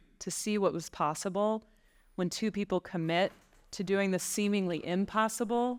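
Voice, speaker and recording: The recording is very clean, with a silent background. A woman with a normal speaking voice and a medium pitch talks at a moderate pace with fairly even intonation. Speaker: psychotherapist. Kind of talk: spoken word poetry performance.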